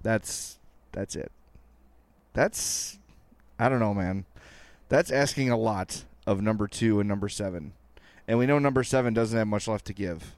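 A man's voice: fairly low pitch, a little slow, a little mellow, dry recording. A man co-hosting a casual sports podcast, talking in a wry, joking manner. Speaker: podcast co-host.

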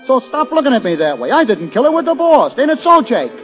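A nervous American gambler from an old radio detective play. He protests in slangy, high-pitched, lively speech. The recording is dull and heavily reverberant. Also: fast, soft background music. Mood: defensive, rattled. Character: Loopy Fife, nervous defensive male small-time gambler. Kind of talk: old-time radio detective drama acting.

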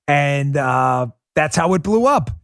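A man's voice: a little high, expressive, takes it slowly, vocal fry, dry recording. Emphatic male podcast host, dry studio. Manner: emphatic, swings loud and quiet for emphasis; addresses listeners directly as folks. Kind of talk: political talk show monologue. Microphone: studio microphone.

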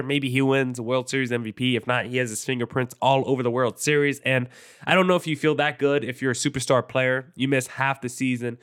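A young man with a congested, slightly nasal voice talks through a solo podcast. His delivery is casual and energetic, with a mid-range pitch, as he works through numbers and opinions. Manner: casual, energetic, stat-heavy rundown. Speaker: podcast host. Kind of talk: solo sports podcast commentary.

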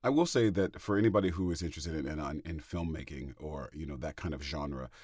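A man co-hosting a podcast in casual chat, animated and quick to laugh loudly. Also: a bass voice, slightly rough, dry recording, studio quality. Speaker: podcast co-host.

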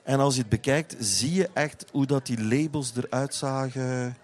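A man's voice: medium pitch, moderate pace. A man with a Flemish accent chatting casually about music, often repeating words as he searches for phrasing. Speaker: interview guest, teacher.

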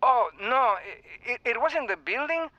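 Stammering male clerk, tinny phone line, bright lively voice. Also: extremely high pitch, unhurried, no echo, heavily acted. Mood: nervous. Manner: hesitant, stammering. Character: nervous male storage facility clerk.

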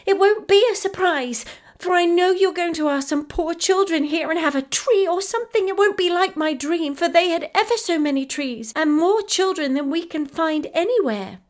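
A woman voicing an excitable little girl full of wonder, speaking high and breathless in a storybook reading. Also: moderate pace, natural voice. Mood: excited.

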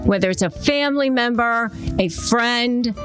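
A woman's voice: a little high, measured pace. A woman delivering scripted promotional narration, addressing the listener directly and emphatically as a podcast host. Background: plucked guitar music.

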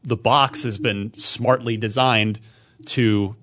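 A man hosting a casual video game news discussion, often repeating words as he thinks out loud. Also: mid-range voice, steady tone, slow pace. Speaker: podcast host.

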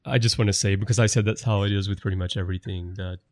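A man hosts a casual podcast conversation in a somewhat low voice. He talks in a loose, rambling way and sets up long, winding questions. The recording is dry and close, with no room sound. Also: fairly even intonation, racing, a little mellow, no room sound. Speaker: podcast host.

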